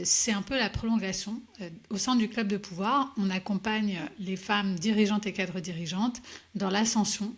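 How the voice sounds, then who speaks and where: A woman coach as an interview guest, telling her story hesitantly with many pauses and restarts. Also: mid-range voice. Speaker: executive coach, podcast guest. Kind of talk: conversational interview answers.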